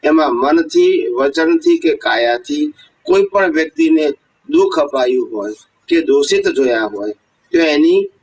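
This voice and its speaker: A man with a high voice delivers a devotional talk to a gathering. He tells stories and keeps asking his listeners whether they have understood. His voice is picked up from some distance away from the microphone. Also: husky. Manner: storytelling with rhetorical questions. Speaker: spiritual teacher.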